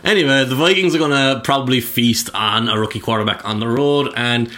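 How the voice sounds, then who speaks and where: A man's voice: medium pitch, fairly quick, bright, forceful tone, slight background noise. A man co-hosting a casual sports podcast, teasing his partner and breaking down games in detail. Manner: teasing, laughing along, analytical. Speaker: podcast co-host.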